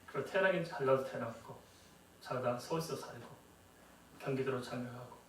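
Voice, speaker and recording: In a church sanctuary, a middle-aged male pastor preaches a sermon conversationally, often putting rhetorical questions to the congregation. His mid-range voice is brisk, carrying a little hiss or hum. The recording is echoey and distant, captured across the church hall.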